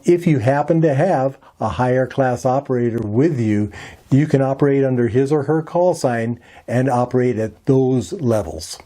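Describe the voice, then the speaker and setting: A man reading a scripted explainer in a measured, instructional manner. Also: mid-range voice, mellow. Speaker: presenter of an amateur radio tutorial.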